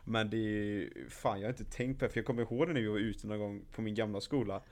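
A young Swedish man chatting casually as host, swearing freely and telling lively stories. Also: fairly low pitch. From Sweden. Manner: swearing, animated storyteller. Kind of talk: casual chat.

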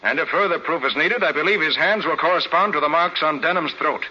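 An actor playing a brisk, confident master detective in a 1940s radio crime drama, with a commanding manner. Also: male voice, a little high, pushed and bright, highs cut off, heavily acted. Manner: crisp, commanding. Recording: old band-limited radio recording.

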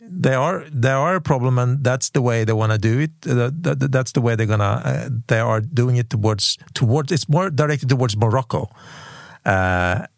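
Halting male moderator with a gravelly creak. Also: medium pitch, animated, no room sound, clean studio sound. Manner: halting, repeats words as he forms questions. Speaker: discussion moderator. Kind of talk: conversational panel moderation.

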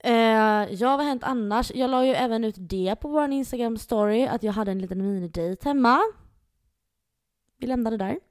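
A young woman chats on a podcast and tells stories in a loose, rambling way, with plenty of swearing and acted-out quotes. Her voice sits a bit high, and the sound is close and dry. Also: no echo. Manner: storytelling, swearing, animated retellings. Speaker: podcast co-host. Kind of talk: casual chat.

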